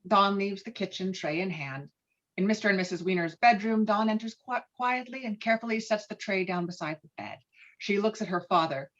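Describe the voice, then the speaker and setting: The audio is muffled and a little lo-fi. A woman narrates a script, reading scene headings and stage directions in a mid-pitched voice. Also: brisk, a bit bright.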